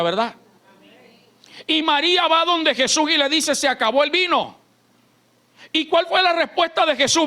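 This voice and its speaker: Colombian caribbean pastor guy preaching in church, high bright voice, goes soft then shouts. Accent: Colombian Caribbean Spanish. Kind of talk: sermon.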